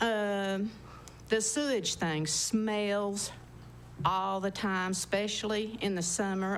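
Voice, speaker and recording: A woman speaks in an East Tennessee accent. There is audible room echo. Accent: Southern US (East Tennessee). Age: 70s. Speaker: resident speaking at public hearing. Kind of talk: public comment at county meeting. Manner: animated.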